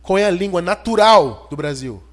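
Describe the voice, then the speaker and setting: A man's voice: high voice, expressive, normal speed. A man with a Brazilian Portuguese accent preaching an expository sermon in an emphatic, didactic way, putting rhetorical questions to his listeners. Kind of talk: expository sermon, teaching scripture verse by verse.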